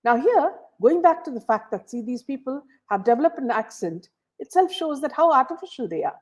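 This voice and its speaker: A woman's voice: sits high, very animated, fairly quick, darkish tone, highs cut off. A woman hosting a casual commentary talk, filling her sentences with "uh" and "you know". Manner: many fillers and "you know"s. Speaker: host.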